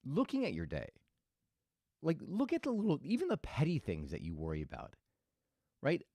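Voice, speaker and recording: A man's voice: on the high side, huge pitch swings, moderate pace, mellow, no echo, clean studio sound. A man hosting a reflective motivational talk, telling stories thoughtfully with frequent restarts. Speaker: host.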